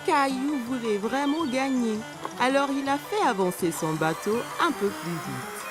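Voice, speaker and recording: A woman narrating a children's cartoon as an expressive storyteller, reading scripted story lines. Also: a little high, unhurried. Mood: storytelling. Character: woman storyteller narrating a young boy's day. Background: music.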